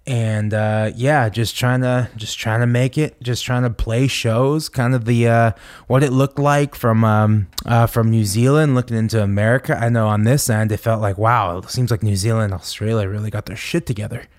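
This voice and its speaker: A young adult man hosting a podcast, rambling and halting with many restarts, as he talks casually about touring and new songs. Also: medium pitch, steady tone, a little mellow, dry recording, studio quality. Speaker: podcast host and touring musician. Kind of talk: casual podcast monologue and interview.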